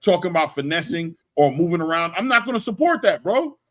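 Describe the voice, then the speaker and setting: A man's voice: on the high side, big pitch swings, fast. A man hosting a boxing channel, talking casually and emphatically in slang, often repeating words for emphasis. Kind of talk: animated casual sports talk and opinion.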